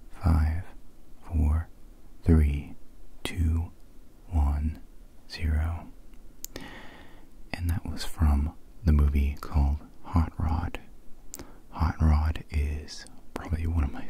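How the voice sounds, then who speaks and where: A man speaks in a hushed ASMR whisper, drifting along with fillers as he chats. His voice sits very low and dark, and it moves slowly. A faint hiss runs underneath. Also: husky. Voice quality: soft whisper. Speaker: ASMR video host. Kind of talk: whispered ASMR movie quote game.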